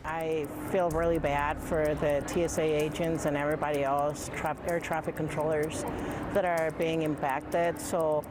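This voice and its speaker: A woman answers as a traveler in an unscripted news vox pop. Her delivery is quite flat in pitch, with music clearly behind her. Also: normal speed, rough recording. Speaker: traveler in a street interview.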